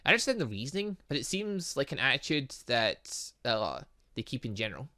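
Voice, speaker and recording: Playing a story game, a gaming video host reads the dialogue aloud and drops casual asides, stumbling over words often and fixing them. His mid-range voice is pushed and bright, fairly quick, with big pitch swings.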